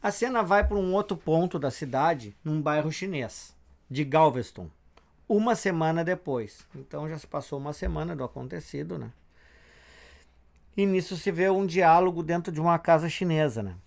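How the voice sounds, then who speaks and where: A man's voice: on the high side, lively intonation, moderate pace, gravelly, a little mellow. A man reading a western comic aloud in a casual retelling, narrating the panels and reading the characters' lines. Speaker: comic reader.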